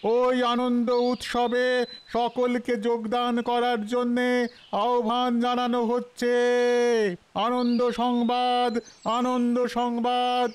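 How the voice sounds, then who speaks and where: A very high, droning town crier. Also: male voice, monotone, clear, resonant tone. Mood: proclaiming. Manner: drawn-out announcing, repetitive calls. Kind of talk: cartoon voice acting.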